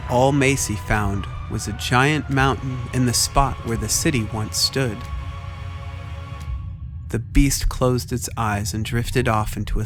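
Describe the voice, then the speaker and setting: Male story narrator over prominent music. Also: medium pitch. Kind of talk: scripted dramatic story narration.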